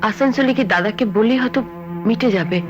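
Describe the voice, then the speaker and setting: An actress plays a spirited, soft-hearted young woman in a film drama. Her voice sits fairly high, with film music playing behind her. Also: brisk, highs cut off, lightly acted. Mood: pleading, troubled.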